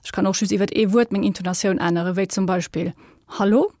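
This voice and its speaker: A young woman with a Luxembourgish accent, a linguist guest explaining her research in a radio studio, measured and full of fillers. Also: medium pitch, fairly even intonation, darkish tone, no room sound.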